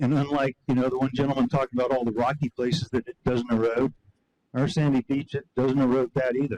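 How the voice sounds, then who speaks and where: A man with an American accent speaks very fast at a medium pitch, in a dark, mellow tone with monotone, flat intonation. The sound is dry and close, with no echo. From North Idaho. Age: 60s. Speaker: public commenter. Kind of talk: public comment at government meeting.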